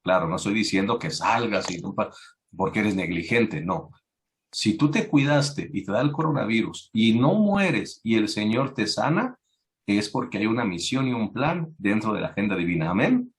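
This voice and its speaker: A man preaching a sermon to young people, acting out pleading voices and rising in pitch when he stresses a point. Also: big pitch swings, moderate pace. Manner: acts out biblical voices, rises in pitch when emphatic. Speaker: youth preacher.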